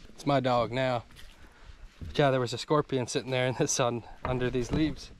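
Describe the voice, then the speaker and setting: A man's voice: mid-range voice, steady tone, normal speed, slight background noise. Joking man vlogging on a jungle hike. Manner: joking, chatty, talks to himself while hiking. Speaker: travel vlogger. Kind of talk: casual solo travel vlog narration. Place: outdoors in rainforest on a hiking trail.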